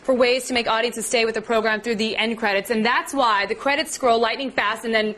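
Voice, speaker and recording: A woman's voice: fairly high pitch, fairly even intonation, a little fast, a bit bright. A woman co-hosting a TV show, reading segment intros and teasing her partner. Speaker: TV show co-host. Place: TV studio.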